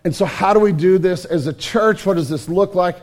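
A middle-aged pastor preaching in a church, his voice raspy and hoarse, earnest and emphatic with many repetitions. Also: sits high, fairly quick, a little mellow. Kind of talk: sermon. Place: church sanctuary.

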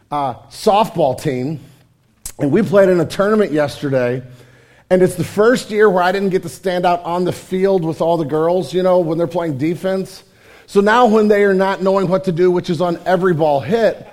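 Male pastor, hoarse raspy voice, high pitch, earnest emphatic sermon. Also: a little mellow. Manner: earnest, emphatic preaching with repetitions. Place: church sanctuary.

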